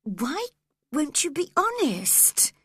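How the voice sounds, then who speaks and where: A woman voicing a spirited teenage girl who speaks earnestly, sometimes indignant, sometimes gentle. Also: high voice, wildly swooping pitch, takes it slowly, no room sound, clean studio sound, voice pushed up, exaggerated voice.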